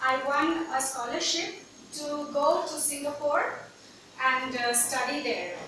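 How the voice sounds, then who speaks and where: In a Bengali accent, a woman with a high pitch speaks at a very slow pace in a raised, projected voice, with audible room echo. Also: ordinary pitch variation. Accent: Indian (Bengali) English. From India, Kolkata. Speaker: author and dancer. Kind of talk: book presentation talk. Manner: hesitant, many fillers.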